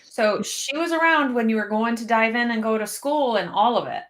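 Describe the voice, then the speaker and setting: A woman's voice: a little high, expressive, normal speed, fairly bright tone, rough recording. A woman hosting a casual livestream interview, chatty and giggly, rambling between thoughts. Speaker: host, mortician.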